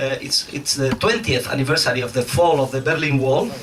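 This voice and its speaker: A man speaks amid audible room echo, with noticeable background noise also present. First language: Spanish. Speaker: economics professor. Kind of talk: lecture. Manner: slow.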